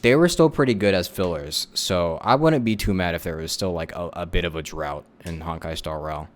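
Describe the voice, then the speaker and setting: Male streamer, casual reaction chat, low voice, rambling and filler-heavy. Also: brisk. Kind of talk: casual live reaction commentary.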